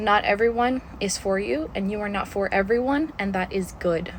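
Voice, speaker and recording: Somewhat breathy, medium-pitched speech from a woman. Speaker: social media creator. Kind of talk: personal monologue; reading aloud. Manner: heartfelt.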